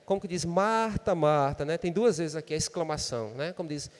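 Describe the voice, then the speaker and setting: A man's voice: a little high, fast talker, a little mellow, in a large hall. A man with a Brazilian Portuguese accent preaching a sermon in a conversational way, often tagging his sentences with a questioning "né?". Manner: conversational preaching with frequent "né?" tags. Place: church.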